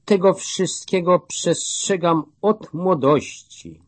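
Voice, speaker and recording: A man's voice: high voice, takes it slowly, no room sound, pitched above the performer's own voice. Man voicing an earnest rich dignitary.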